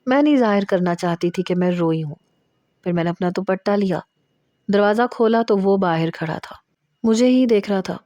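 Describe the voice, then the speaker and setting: Mellow woman narrating a romance. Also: medium pitch, no room sound. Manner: steady, intimate storytelling with emotional emphasis in quoted lines. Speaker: storyteller. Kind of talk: first-person romantic story narration.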